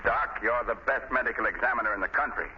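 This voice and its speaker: A man playing a gruff, self-important police commissioner in a 1930s radio drama, blustering and halting when awkward. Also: medium pitch, close to an everyday voice. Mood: hearty, coaxing. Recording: muffled, hissy 1930s radio recording.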